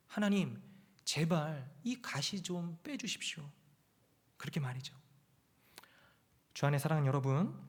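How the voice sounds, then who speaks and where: A man preaching a sermon at a Friday prayer meeting in a church, impassioned, swinging from loud pleading to hushed low asides. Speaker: pastor. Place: church sanctuary.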